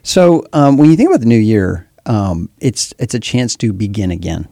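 A man with a bassy voice casually hosting a talk show in a candid, self-deprecating way. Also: sing-song, moderate pace, vocal fry, warm tone, no room sound, studio quality. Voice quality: bass-heavy voice. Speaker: podcast host.

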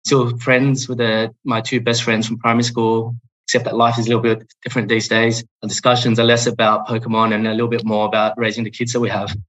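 A man in his thirties from Australia with an Australian accent, a podcast guest talking in a relaxed, reflective way with many fillers. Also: mid-range voice, quick pace, rough recording. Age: 30s. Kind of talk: interview podcast.

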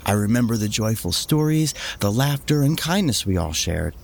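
A man's voice: lowish voice, big pitch swings, normal speed, vocal fry, full character voice. A man voicing a kind, earnest, dreamy noble lady in a storybook tale, with a gracious manner. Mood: serene, wistful.

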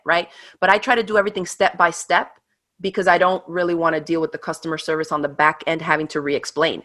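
A woman in her thirties, a guest in a casual interview, telling her story in an animated, quick way with laughs. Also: lowish voice. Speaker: guest, online craft teacher.

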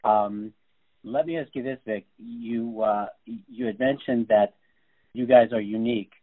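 A man's voice: fairly low pitch, fairly even intonation, unhurried. A man hosting an interview, asking questions in a friendly, rambling way with fillers. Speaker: interview host. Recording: tinny phone-like line.

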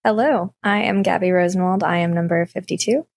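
Young woman, student guest, gravelly low voice, dry room. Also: a little fast, a little mellow. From Kansas City. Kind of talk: casual interview answers.

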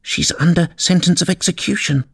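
A man doing an anxious, high-pitched white rabbit. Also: expressive, gravelly, no echo, clean studio sound, exaggerated voice. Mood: anxious, hushed. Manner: hushed, hurried, frightened. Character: anxious, timid male white rabbit, hurried and secretive.

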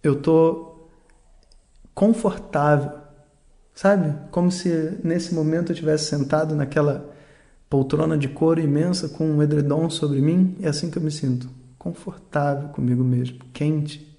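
A man giving a relaxed vocabulary lesson as a recorded phone voice message, reflective and pausing to search for words. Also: fairly high pitch, gravelly. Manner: slow, reflective, trails off while searching for words. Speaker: language teacher.

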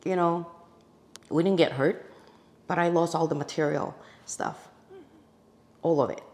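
A woman's voice: low voice, unhurried, darkish tone. A middle-aged woman, a real estate agent, chatting as a podcast guest. She tells her story animatedly, laughs often and acts out her own past thoughts. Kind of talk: casual interview chat.

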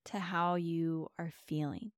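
A woman guiding a meditation softly and soothingly, giving gentle, slow, spacious instructions as a host. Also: fairly low pitch, fairly even intonation, no echo, clean studio sound. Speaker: meditation podcast host and guide. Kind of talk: soft, soothing guided meditation.

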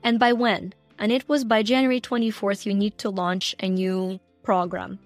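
A woman guest on a podcast talking about her coaching work in an earnest, animated way, often laughing as she speaks. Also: medium pitch, moderate pace, faint music behind. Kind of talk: conversational interview.

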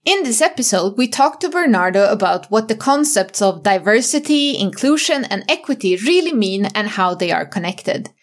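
Woman podcast host, mid pitch voice, reading intros and asking interview questions. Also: expressive, moderate pace, few pauses.

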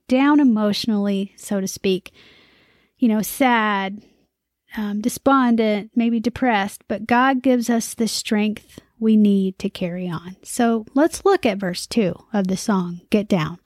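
A woman's voice: mid-range voice, slow pace, darkish tone, dry recording, clean studio sound. A woman in her thirties hosting a Christian music podcast, talking in an upbeat, conversational way with light humor. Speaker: podcast host.

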